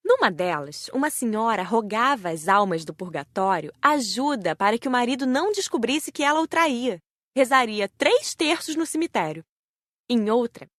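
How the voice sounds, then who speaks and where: A woman narrating a scripted audiobook story in the first person, with measured, careful enunciation. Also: mid-range voice, fairly bright tone, no echo, clean studio sound.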